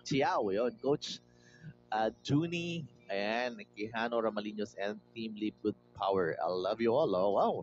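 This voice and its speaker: A man's voice: lowish voice, a little slow. A Filipino man hosting a livestream, casually greeting viewers by name, reading comments aloud and mixing Tagalog with English. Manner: mixes Tagalog and English freely. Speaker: livestream host. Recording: dull lo-fi livestream audio with faint music.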